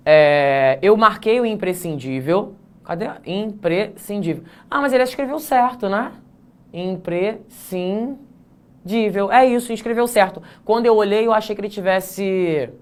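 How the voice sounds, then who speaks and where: A man teaching an online essay-writing class, joking at his own slips, drawing words out slowly to show how they are pronounced, and checking in with the class often. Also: sits high, fairly bright tone. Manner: playful, self-mocking, frequent "tá?" check-ins; stretches words slowly to demonstrate pronunciation.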